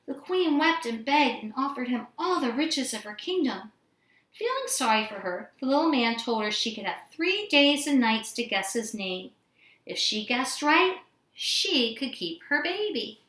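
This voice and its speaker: Female children's storyteller, fairly high voice, expressive read-aloud, recorded in an echoey room. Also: unhurried. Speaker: storybook reader. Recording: roomy indoor echo.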